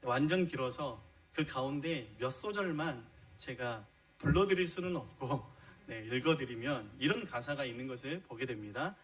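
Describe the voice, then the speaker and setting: A man's voice: medium pitch, expressive, moderate pace, rough recording. A middle-aged man preaching a sermon in a church, explaining his points earnestly and posing rhetorical questions to the congregation. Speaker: pastor. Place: church sanctuary.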